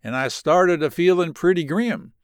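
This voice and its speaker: A man's voice: fairly high pitch, normal speed, clear, resonant tone, dry recording, studio quality, natural voice. A man voicing a folksy old rural neighbor woman who talks in thick backwoods dialect. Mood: relieved.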